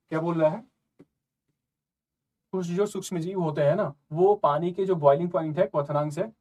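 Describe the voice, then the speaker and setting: The speaker is an exam prep tutor whose voice is a little high and a little mellow. In a conversational lesson on exam questions, he regularly checks in with his listeners, repeating "ठीक है" and "ना" often.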